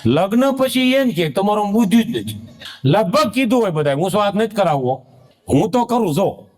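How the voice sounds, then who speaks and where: High-voiced man telling stage jokes. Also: lively intonation, moderate pace, darkish tone. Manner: conversational, acting out dialogue. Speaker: stand-up comedian. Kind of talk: Gujarati stand-up storytelling.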